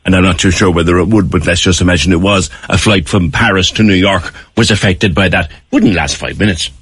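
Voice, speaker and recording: A man's voice: deep voice, a little fast, fairly bright tone, husky, no echo, clean studio sound. An Irish man hosting a radio interview, putting questions in a direct, colloquial, pressing way. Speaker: radio host.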